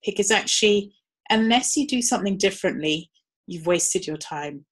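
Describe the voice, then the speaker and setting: A woman's voice: medium pitch, expressive, moderate pace, husky. A woman giving a live webinar talk in a conversational way, with frequent ums. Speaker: webinar presenter.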